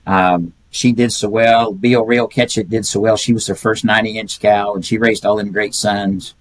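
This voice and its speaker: A man's voice: fairly low pitch, little pitch movement, moderate pace, no room sound, poor audio. An older man, telling folksy stories as a podcast guest and chuckling often. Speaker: guest, retired pedigree reader. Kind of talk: casual podcast chat.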